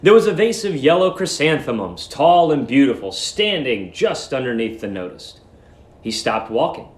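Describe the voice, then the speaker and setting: A man with a mid-range voice speaks as a teacher leading a live reading. His delivery is that of someone presenting and narrating a story to students. The room adds a clear echo around the voice. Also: mid-range voice, sing-song, moderate pace. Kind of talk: live read-aloud lesson, dramatic story narration. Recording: roomy echo.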